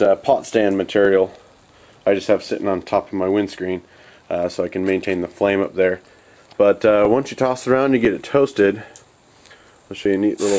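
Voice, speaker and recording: A young man casually demonstrating camp cooking outdoors at night, talking in a relaxed, rambling way full of fillers, recorded on a camera held close. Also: lowish voice.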